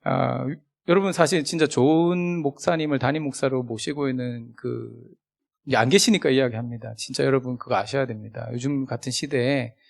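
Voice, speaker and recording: Gravelly, chatty man preaching. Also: mid-range voice, fairly even intonation, brisk. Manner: chatty and humorous, with dramatic swings in loudness; acts out remembered dialogue. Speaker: guest preacher. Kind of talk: sermon.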